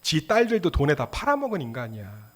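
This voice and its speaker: 남성 목사가 교회에서 목소리를 흉내 내 가며 유머러스한 이야기로 설교한다. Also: male voice, a little high, huge pitch swings, brisk, fairly bright tone. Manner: humorous storytelling, acting out voices. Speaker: pastor. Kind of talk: sermon. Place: church.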